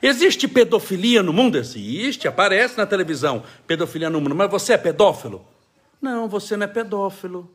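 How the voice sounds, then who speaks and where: Brazilian man, live-stream preacher, high husky voice, emphatic with laughing asides. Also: sing-song, a little fast. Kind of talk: casual live-stream talk. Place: home, caring for his child.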